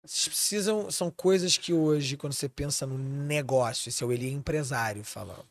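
A man's voice: a little high, a little fast. A man from Switzerland, a chef and restaurant owner, talking animatedly in a casual podcast chat and swearing freely.

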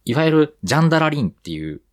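A man from Aichi, co-hosting a podcast in casual chat, relaxed and laughing often, with a Nagoya dialect. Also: on the high side, racing. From Aichi, Japan. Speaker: podcast co-host.

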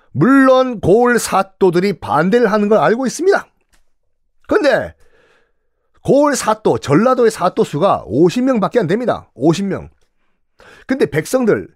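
A man's voice: high voice, very animated, normal speed, no room sound, studio quality, pitched above the performer's own voice. A man voicing an outspoken older male Joseon minister who earnestly and insistently pleads with the king. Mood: pleading.

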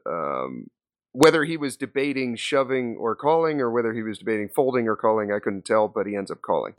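A man's voice: mid-range voice, lively intonation, fairly quick, no echo. Man retelling a poker hand, dry sound. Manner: storytelling with many fillers and restarts. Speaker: podcast host. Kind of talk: casual poker hand recap.

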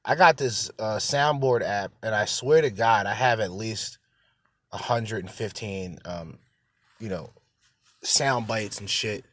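High stoner dude rambling on his show, lots of cussing and slang, trails off, really dry sound. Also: a bit bright, dry recording. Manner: stoned, drawling stoner delivery with trailing pauses; profane, slangy. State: high on cannabis. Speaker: solo show host. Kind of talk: casual unscripted rambling monologue.

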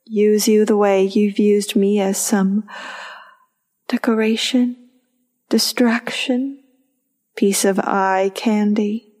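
A woman's voice: medium pitch, little pitch movement, slow pace, pauses often, a little mellow, natural voice. Woman acting an imperious goddess-sorceress in echoing hall. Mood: vengeful. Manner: imperious, theatrical. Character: proud, wrathful, mocking goddess and scorned sorceress. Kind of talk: audio drama acting.

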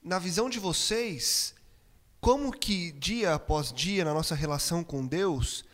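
High-voiced Brazilian man hosting. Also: lively intonation, unhurried. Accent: Brazilian Portuguese. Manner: reflective, poses questions. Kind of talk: casual faith discussion.

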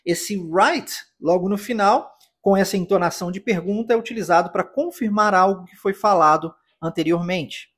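Husky Brazilian English teacher. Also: medium pitch, normal speed, hardly any pauses. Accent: Brazilian Portuguese. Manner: patient, encouraging, explains step by step. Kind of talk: podcast pronunciation lesson.

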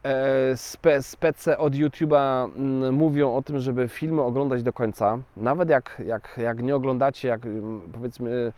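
A man's voice: medium pitch, fairly even intonation, darkish tone, dry recording. A man teaching in a chatty, explanatory way, talking directly to his viewers. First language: Polish. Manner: chatty, addresses viewers directly, slow and deliberate. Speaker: language teacher. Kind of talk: casual explanatory lesson.

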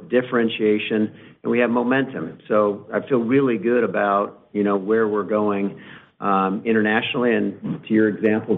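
A man with a slightly low voice answers as an executive on an earnings call. He is upbeat and repeats phrases for emphasis, heard over a narrow, tinny phone line. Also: gravelly. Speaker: company executive.

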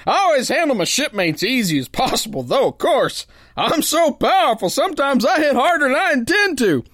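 An actor playing a boastful, dim but good-hearted brawling sailor in a pulp radio drama, with folksy slang. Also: male voice, very high voice, very animated, brisk, fairly bright tone, no room sound, clean studio sound, full character voice. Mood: cocky bragging. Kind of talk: first-person pulp radio drama narration and dialogue.

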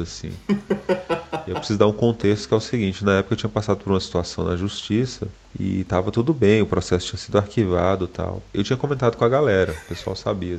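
A man telling a funny personal story in a casual chat, animated and laughing often as he acts out the dialogue. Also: fairly low pitch.

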